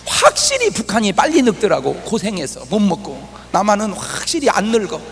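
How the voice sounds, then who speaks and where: A man pastor preaching a revival sermon, swinging from soft talk to shouting and acting out quoted prayers. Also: high voice, huge pitch swings, a little fast, vocal fry, slight background noise. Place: large church hall with congregation. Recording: church hall reverb, faint ambience.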